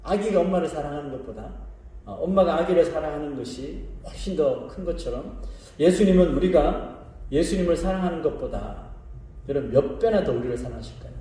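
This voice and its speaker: A male pastor gives a sermon in a very echoey church, and he sounds a little distant from the mic. His voice is somewhat high but dark and mellow. He moves between hushed, dropping phrases and raised, emphatic questions to his listeners. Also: lively intonation, fairly quick. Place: church sanctuary.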